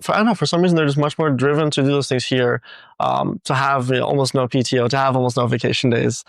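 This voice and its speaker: Quick-talking young man from the Netherlands. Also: mid-range voice, vocal fry, no echo, clean studio sound. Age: young adult. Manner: quick, relaxed, many fillers like "like" and "um". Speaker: guest. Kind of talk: casual interview chat.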